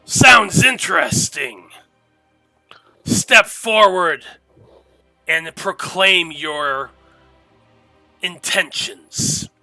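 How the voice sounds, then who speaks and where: A man voicing a gruff, commanding male demon in a tabletop game, speaking slowly and deliberately. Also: high voice, animated, bright, forceful tone, no echo, soft background music, heavily acted, poor audio. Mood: gruff challenge. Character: gruff large male demon boss, challenging newcomers.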